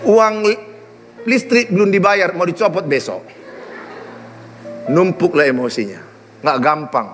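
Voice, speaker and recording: A man's voice: high-pitched, measured pace, pauses often, big-room sound, faint music behind. A middle-aged man preaching a sermon, telling stories with humor. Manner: animated, humorous storytelling. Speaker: pastor. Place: large church hall.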